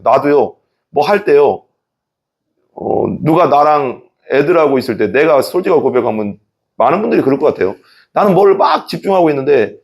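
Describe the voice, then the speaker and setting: A man in his thirties preaching a sermon as a pastor, acting out quoted thoughts with laughs. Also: medium pitch. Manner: lively, acts out quoted inner thoughts with laughs.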